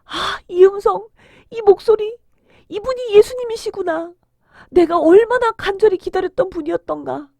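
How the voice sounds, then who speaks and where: Woman acting a high-voiced, pleading blind beggar man. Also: lively intonation, normal speed, a little mellow, no echo, clean studio sound. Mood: moved. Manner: emotional, crying out pleadingly. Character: desperate blind beggar man, pleading, hopeful, then overjoyed. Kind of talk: dramatised children's Bible storytelling.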